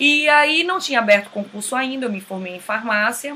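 Over noticeable background noise, a speaker with a northeastern Brazilian accent talks fairly quickly, with very wide pitch swings. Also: woman. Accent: Northeastern Brazilian Portuguese (Paraíba). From Northeast Brazil, João Pessoa (Paraíba). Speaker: podcast host, forensic expert. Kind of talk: casual talk to listeners.

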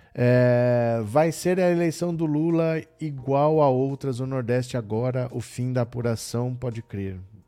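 A man's dark, mellow tone with lively intonation at a fairly slow pace. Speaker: political commentator streamer. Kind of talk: live stream commentary. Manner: casual, conversational.

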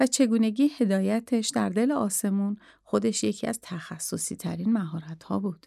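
At a fairly slow pace, a woman with a dark, mellow tone is heard in a dry, close recording with no echo, very clean over a silent background. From Kurdistan, Iran. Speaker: podcast founder narrating her life story. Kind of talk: scripted memoir narration.

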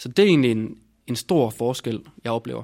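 A man with an unremarkable speaking voice holds a medium pitch and ordinary pitch variation on a very clean recording, the background silent. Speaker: running club chairman. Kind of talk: interview.

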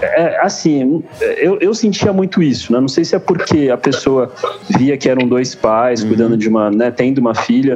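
With music in the background, a man at a medium pitch speaks at a moderate pace with very even loudness and lively intonation. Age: 30s. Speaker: father in podcast discussion. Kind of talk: casual chat.

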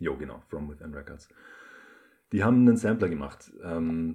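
On a very clean recording with a silent background, a man speaks at a very deep, low pitch in a dark, mellow tone with vocal fry. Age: 20s. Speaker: radio show host. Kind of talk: casual music show presentation.

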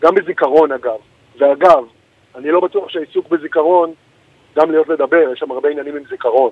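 Talking very fast, a man has a fairly high pitch. Still, long pauses come frequently. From northern Israel, Nazareth Illit. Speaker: singer-songwriter and musician. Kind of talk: casual radio interview. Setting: remote call from a car in traffic.

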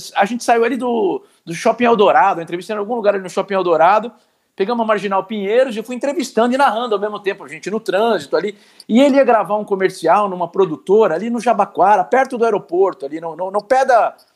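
Speaking at a very fast pace, a man uses ordinary pitch variation. His pitch is high. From interior of São Paulo state, Brazil (Tupã). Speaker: TV news reporter. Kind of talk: casual interview chat.

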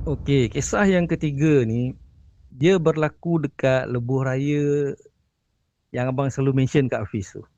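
This man talks at a fairly slow pace in a dark, mellow tone, his fairly high pitch moving with ordinary variation. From Negeri Sembilan, Malaysia. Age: 40s. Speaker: guest storyteller of horror stories. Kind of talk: storytelling.

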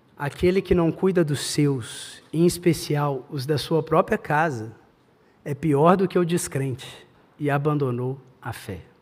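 Quiet, very slow speech. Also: man, fairly high pitch for a man, ordinary pitch variation. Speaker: pastor. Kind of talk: sermon. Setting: church. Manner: speaking more quietly.

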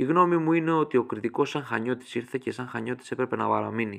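A man talks at a fairly quick pace in a plain, everyday voice, medium in pitch, with fairly even intonation and a quiet background. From Greece, Rhodes. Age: 20s. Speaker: traditional musician and folk music researcher. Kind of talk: interview answers. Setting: remote recording.

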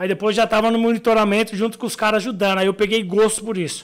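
A man speaks with a high pitch. His pace is very fast. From São Paulo periphery (Osasco), Brazil. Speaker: personal security guard and instructor. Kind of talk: casual chat.

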